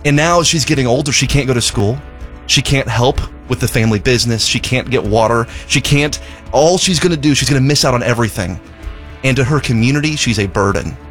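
Guy from zimbabwe telling a charity story on radio, heartfelt, mid pitch, light music under. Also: a little fast, fairly bright tone. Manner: heartfelt storytelling, repeats words when moved. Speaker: charity spokesman. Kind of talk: fundraising appeal on radio.

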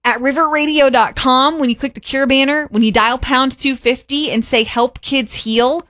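A woman's voice: high voice, fairly even intonation, moderate pace, a bit bright, dry recording, clean studio sound. A woman radio host making an earnest fundraising appeal, urging listeners to give.

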